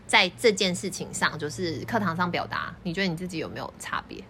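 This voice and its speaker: Taiwanese-accented woman, podcast host, bright voice, very lively pitch, chatty and inquisitive, faint background noise. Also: fairly quick, faint music behind. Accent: Taiwanese Mandarin. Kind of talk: casual interview chat.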